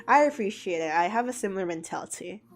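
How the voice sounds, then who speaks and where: A woman's voice: medium pitch, lively intonation, quick pace, faint music behind. A woman chatting casually with her livestream audience, talkative and given to mock-dramatic outbursts. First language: English. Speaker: art streamer answering chat.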